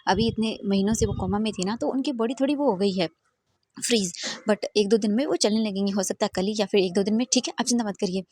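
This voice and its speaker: A woman voicing a calm young male doctor who reassures the family in a soft voice. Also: mid-range voice, quick pace, dry recording, natural voice. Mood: reassuring.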